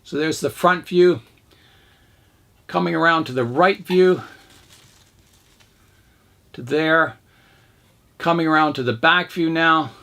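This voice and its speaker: Hoarse chatty man pruning bonsai. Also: a little high, takes it slowly, long pauses, bright, forceful tone. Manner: rambling, chatty, talks while pruning. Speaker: bonsai channel host. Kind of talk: casual narration while working.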